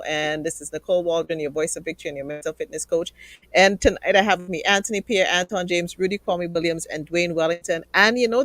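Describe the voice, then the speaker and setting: A woman hosting a live online talk show, warm and playful with her guests, heard over a video call. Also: on the low side, no room sound. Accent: Trinidadian. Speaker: host.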